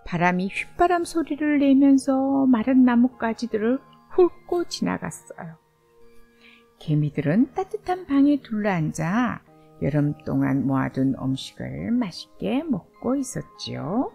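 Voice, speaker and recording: A woman's voice: on the high side, very animated, measured pace, gravelly, mellow, husky, faint music behind. A woman storyteller narrating a bedtime storybook, reading expressively and simply as if to a toddler.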